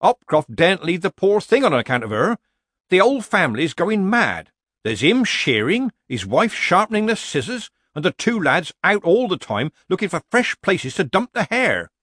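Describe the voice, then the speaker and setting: A man's voice: sits high, big pitch swings, a bit bright, slightly rough, dry recording, studio quality, pitched above the performer's own voice, full character voice. A man voicing a nervous, complaining male villager who stumbles over his words. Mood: flustered. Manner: anxious, flustered, halting.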